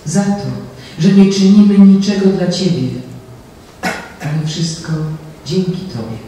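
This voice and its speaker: Middle-aged woman poetry reader, solemn and mellow, distant handheld mic in an echoey room. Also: fairly low pitch, animated. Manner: slow, measured, solemn recitation. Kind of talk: recited poetry reading. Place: small venue on a stage before an audience. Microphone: handheld mic, from a distant camera. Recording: very echoey room heard from far off.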